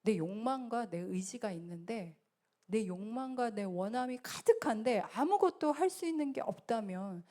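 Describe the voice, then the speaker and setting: A woman preaching a sermon in a church, earnest and swelling louder then dropping soft. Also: fairly high pitch, lively intonation, normal speed. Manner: earnest, rises and falls in loudness. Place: church sanctuary.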